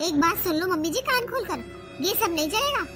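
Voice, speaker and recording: A woman voicing a sharp-tongued young wife who scolds her in-laws in an animated cartoon. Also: a little fast, loud music behind the voice. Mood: scolding. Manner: scolding, high-pitched and shrill. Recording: noisy home recording.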